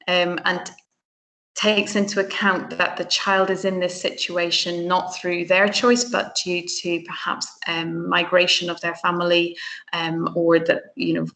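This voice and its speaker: Earnest, soft-spoken Irish-raised woman teacher. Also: lowish voice, poor audio. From Ireland. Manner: thoughtful, earnest, many ums and restarts. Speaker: teacher presenting at a conference. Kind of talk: recorded conference presentation.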